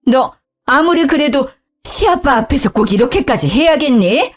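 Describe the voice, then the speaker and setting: Woman doing a shrill older mother-in-law. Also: expressive, moderate pace. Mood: scolding. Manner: shrill, scolding, whiny pleading.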